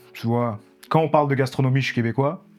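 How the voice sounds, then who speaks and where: A man speaks at a fairly quick pace with fairly even intonation. Music plays in the background. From Quebec, Montréal-Nord. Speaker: stand-up comedian. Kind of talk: casual chat.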